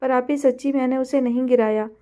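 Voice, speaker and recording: A woman reading a sassy teenage girl who bickers in quick retorts, her voice high and mellow. It comes across as a storybook quarrel, spoken in the reader's own soft tone with a touch of cheek. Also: fairly even intonation, natural voice. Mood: bickering.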